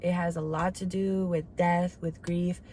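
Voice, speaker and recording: A woman's voice: lowish voice, little pitch movement, measured pace, mellow. A woman in her twenties talking candidly in a casual confessional chat, slangy and swearing freely. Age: 20s. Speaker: vlogger. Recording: clear background ambient noise.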